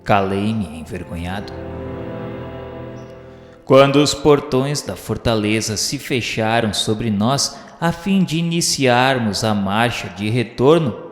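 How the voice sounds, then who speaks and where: A Brazilian man delivers dramatic radio-novel narration at a slow pace. His phrasing is solemn, literary and theatrical. The voice rings with long reverb over a bed of music. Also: lowish voice, expressive.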